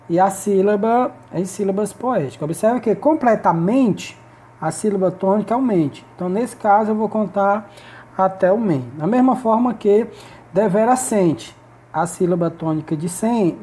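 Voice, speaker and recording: A woman's voice: lowish voice, warm tone. A woman teacher explaining a lesson step by step, often checking in with her students. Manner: explanatory, frequent checking tags like "né?" and "ok?". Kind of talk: recorded online class lesson.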